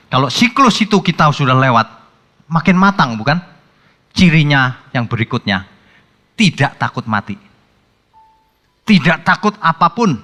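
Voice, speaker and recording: A male pastor preaching a sermon in a conversational, colloquial way, breaking into sudden animated outbursts. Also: mid-range voice. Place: church hall. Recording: long hall reverb with faint music.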